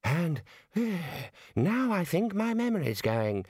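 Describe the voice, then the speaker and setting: A man voicing a frail, muddled old wizard with a wheezy, halting, quavering delivery in a fantasy storybook reading. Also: high-pitched, sing-song, a little mellow, slightly rough, no room sound, studio quality, voice pushed up, heavily acted. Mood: muddled, panicky.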